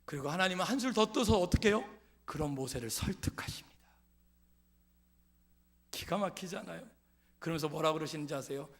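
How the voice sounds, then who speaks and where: In a church sanctuary, a middle-aged pastor preaches to his congregation, asking them questions and swinging from loud calls down to whispers. He has a high voice and talks fast.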